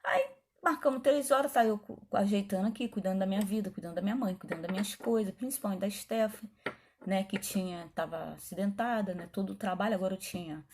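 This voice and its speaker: A middle-aged woman pastor, telling her testimony in a chatty, animated way, acting out the dialogue as she goes. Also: mid-range voice, fast, husky. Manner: animated, chatty, frequent asides and quoted dialogue. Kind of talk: testimony storytelling.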